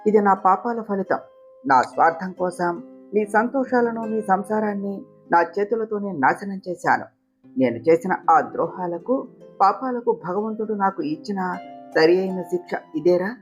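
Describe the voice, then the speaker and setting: A woman's voice: mid-range voice, lively intonation, unhurried, close to an everyday voice. A woman voicing a dying mother who speaks weakly and tearfully with remorse in a storybook tale. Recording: slightly dull recording, soft guitar music.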